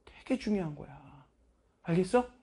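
A woman's voice: fairly low pitch, lively intonation, moderate pace, warm tone, breathy edge. A woman math teacher giving a casual, blunt motivational talk to her students in an emphatic, chatty, scolding way.

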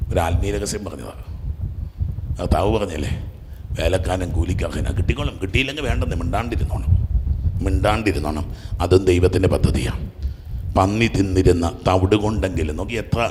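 Give me a preaching priest, who rouses the crowd and then drops to a hush, with long echo in a noisy church. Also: male voice, deep voice. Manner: repetitive, urges the crowd to shout back, swings from loud to hushed. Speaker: Catholic priest leading a retreat. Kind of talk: fervent call-and-response sermon. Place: large church. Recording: echoey church hall with background noise.

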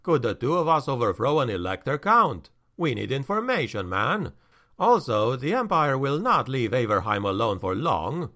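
A man reading a story aloud, voicing a stern male counselor who speaks in a low, steady, measured way.

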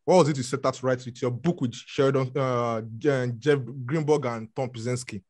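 A man with a Nigerian accent hosts a podcast over a video call. His voice sits at a middle pitch. He talks haltingly, restarting his sentences and leaning on fillers. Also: darkish tone. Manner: halting, many restarts and fillers, repeats "actually" and "honestly". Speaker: podcast host. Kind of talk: podcast interview.

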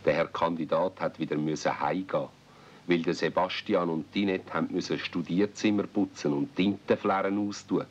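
A man's voice: fairly even intonation, normal speed. A man with a Swiss German accent narrating a children's radio play as a storyteller. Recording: dull 1970s recording with rumble.

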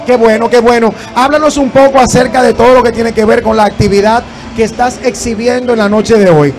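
A man in his thirties hosting a TV interview at a trade fair, upbeat and quick with his questions on a handheld mic. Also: very high voice, fairly even intonation. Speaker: TV show host. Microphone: handheld microphone.

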